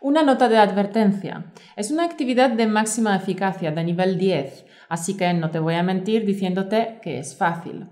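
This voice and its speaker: Female teacher, co-host, reading a course script clearly and evenly. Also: mid-range voice, normal speed, hardly any pauses, darkish tone. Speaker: Spanish teacher, podcast co-host.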